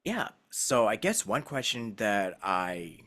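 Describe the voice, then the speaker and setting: A man's voice: lowish voice, big pitch swings, slow pace, fairly bright tone. A man hosting a casual interview, talking in an informal, slangy, rambling way. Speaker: interview host and voice actor. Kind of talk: casual chat.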